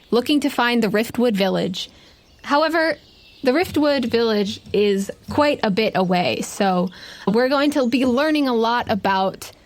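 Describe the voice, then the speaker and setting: A woman hosting and narrating a tabletop adventure game as its game master. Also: mid-range voice. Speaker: game master and podcast host. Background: music behind the voice.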